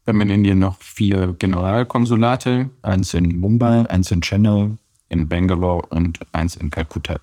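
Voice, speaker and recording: A man speaking as a diplomat in an interview, measured and factual. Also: sits low, dark tone, dry recording, clean studio sound. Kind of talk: interview answers.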